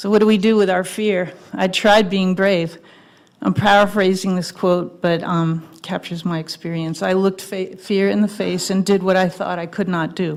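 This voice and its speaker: Her pitch is medium and her intonation monotone and flat. The woman keeps a moderate pace. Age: 60s. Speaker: retired teacher testifying at a legislative hearing. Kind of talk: public testimony. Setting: legislative committee hearing. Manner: formal.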